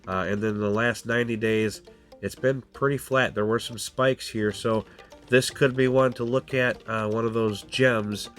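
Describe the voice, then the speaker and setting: A man's voice: fairly low pitch, fairly even intonation, normal speed, a bit bright, soft background music. A man hosting a casual crypto walkthrough, sounding stuffy and nasal from a cold, talking loosely with lots of fillers. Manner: casual, filler-laden, repeats "go ahead" and "guys". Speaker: crypto channel host. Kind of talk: screen-share walkthrough, casual explainer.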